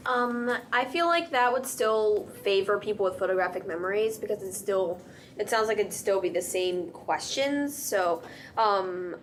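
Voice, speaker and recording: A woman's voice: medium pitch, slight background noise. A teenage female student with an American accent, giving an opinion casually in a class discussion.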